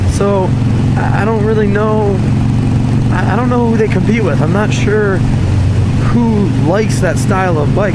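The background noise is loud. The sound is dry, with no echo. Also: man. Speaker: motorcycle rider vlogger. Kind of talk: casual vlog chat. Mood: opinionated, relaxed. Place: motorbike. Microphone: helmet.

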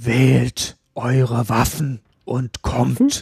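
This man is doing a put-on character voice. It sits at a medium pitch. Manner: booming, imposing.

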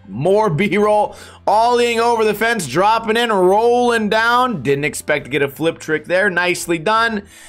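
The pace is moderate as a man talks. Some faint music can be heard behind him. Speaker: video reviewer. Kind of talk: commentary. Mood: sarcastic, mildly impatient.

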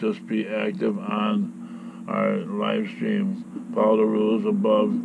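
A man speaks over noticeable background noise. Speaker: vlogger. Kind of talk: reading text aloud from a screen. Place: home room.

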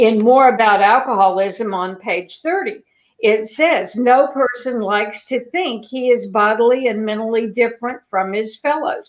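A woman talks at a fairly slow pace, the background around her quiet. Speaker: recovery panelist. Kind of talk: testimony. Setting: video call. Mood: reflective, candid. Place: home room. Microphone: video call.

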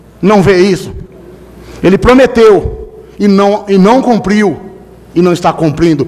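With ordinary pitch variation and long, frequent pauses, a man talks in a high pitch. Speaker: town councillor. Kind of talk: public hearing speech. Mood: angry indignation. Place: hall. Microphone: podium.

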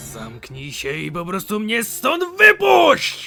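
A man puts on a raspy character voice, high in pitch. He delivers it at a fairly slow pace. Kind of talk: anime fandub. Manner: angry, haughty.

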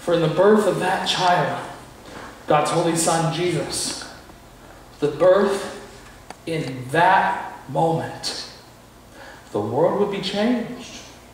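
A man speaks very slowly at a high pitch, with ordinary pitch variation and long, frequent pauses. Strong room echo surrounds him, along with light background noise. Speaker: narrator in a Christmas performance. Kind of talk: dramatic monologue. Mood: solemn, reverent. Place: church. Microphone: camera far.

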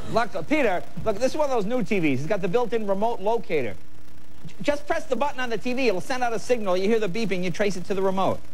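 Over light background noise, a man speaks at a very fast pace. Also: lively intonation. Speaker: talk show host. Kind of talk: comedy sketch banter. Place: studio. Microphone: lapel.

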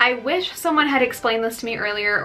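Faint music plays in the background as the speaker goes at a fairly quick pace with ordinary pitch variation. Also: woman. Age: 20s. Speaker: finance and lifestyle YouTuber. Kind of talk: casual educational talk to camera. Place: home room.

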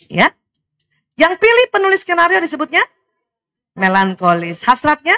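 A woman uses a raised, projected voice with a bright, sharp tone. Her pitch swings very widely against a quiet background. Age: 50s. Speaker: doctor and parenting speaker; speaker. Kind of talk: religious talk / lecture. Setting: mosque with audience. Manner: animated. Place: hall.

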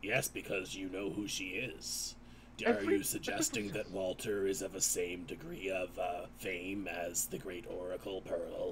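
Clear background noise behind a man's moderately paced, put-on character voice. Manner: formal, precise, irritable.

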